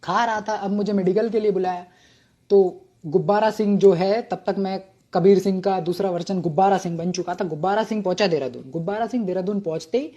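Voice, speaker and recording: Husky, mellow-voiced man telling a story. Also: sits high, brisk. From Bengal. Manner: humorous, self-mocking, chatty with fillers. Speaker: retired army officer telling his story. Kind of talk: casual storytelling monologue.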